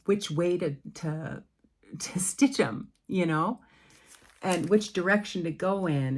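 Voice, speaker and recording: Woman, low voice, unhurried, rambling with ums, faint background hiss. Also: gravelly. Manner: chatty, rambling, with many ums and restarts. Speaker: cross-stitch vlogger. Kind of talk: casual show-and-tell chat. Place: at home.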